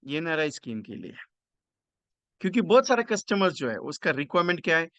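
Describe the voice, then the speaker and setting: A man's voice: a little high, sing-song, brisk, sharp tone, no room sound, dull audio. A man running an online training session for insurance agents, working through figures step by step and repeating phrases for emphasis. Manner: mixes English into explanation, repeats phrases for emphasis; works through numbers step by step, asking the audience questions.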